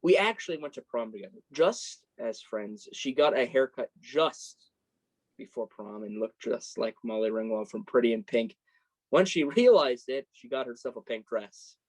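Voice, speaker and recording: A man's voice: mid-range voice, animated, normal speed, lightly acted, poor audio. A man playing a sensitive, embarrassed college freshman in a play reading, guarded and dryly self-deprecating. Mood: fond, amused. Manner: self-deprecating, dry sarcasm. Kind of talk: staged reading of a play, naturalistic dialogue.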